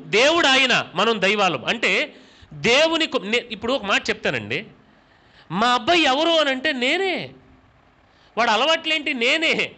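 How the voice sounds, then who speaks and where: A man's voice: extremely high pitch, sharp tone. A man preaching a church sermon as pastor, calling out questions to the congregation and repeating words for emphasis.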